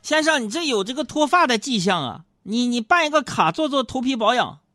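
A man putting on the voice of a pushy barber who keeps making a sales pitch. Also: sing-song, a little fast, pushed and bright, no echo, studio quality, full character voice. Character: pushy middle-aged male barber, upselling.

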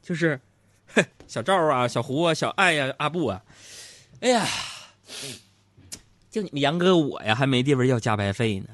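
A man's voice: mid-range voice, expressive, moderate pace, pauses often, a bit bright, no room sound. A middle-aged man, hosting a talk show and telling funny stories about his married life in a chatty, teasing way. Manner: joking, teasing, chatty storyteller. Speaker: radio-style program host. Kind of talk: humorous storytelling talk show.

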